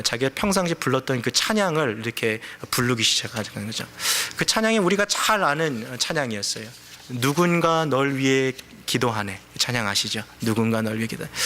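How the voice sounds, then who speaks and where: A man's voice: medium pitch, bright, forceful tone. A male pastor giving a sermon in a conversational, storytelling way. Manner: conversational storytelling, acts out quoted voices.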